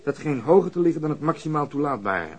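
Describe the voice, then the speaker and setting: A brusque police detective in a radio drama, rattling along at a quick clip. The voice is husky and the delivery dry, cynical and sarcastic. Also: male voice, a little high, animated. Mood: matter-of-fact, dry. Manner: sardonic, matter-of-fact.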